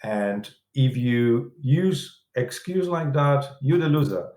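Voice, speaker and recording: A Polish film director and producer from Poland, speaking with a Polish accent, is a guest in a casual interview held in a London room. He halts and restarts often and uses broken grammar. His mid-range voice has lively intonation and a darkish tone, with an echoey room sound.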